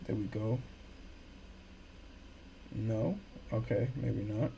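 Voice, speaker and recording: A man's voice: lowish voice, steady tone, takes it slowly, gravelly, mellow, dull audio, a little hiss or hum. A young man hosting a casual commentary stream, talking in slang with stammered restarts and hyped asides. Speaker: host.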